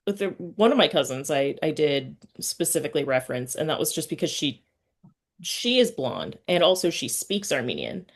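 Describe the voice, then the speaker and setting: A woman hosting a podcast, talking in an informal, halting, slangy way through chat and announcements. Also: low voice, very animated. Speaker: podcast host. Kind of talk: casual chatty interview and announcements.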